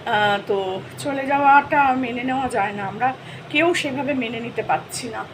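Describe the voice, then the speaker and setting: An older woman narrating her vlog in a chatty, rambling, soft-spoken voice-over. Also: fairly high pitch, normal speed. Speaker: vlogger. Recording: noticeable background noise.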